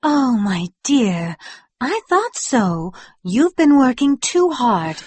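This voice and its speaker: Picture a gentle, hopeful young wife speaking in a high, soft falsetto, put on by a male audiobook reader. Her lines sit far above the reader's own voice. The sound is close and dry, with no room around it. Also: big pitch swings, takes it slowly, slightly rough, no room sound, full character voice. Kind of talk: audiobook character voice.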